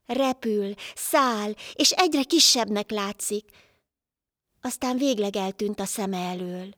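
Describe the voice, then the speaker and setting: A woman narrating a folk tale in a calm, measured storytelling manner. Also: medium pitch, no room sound, clean studio sound.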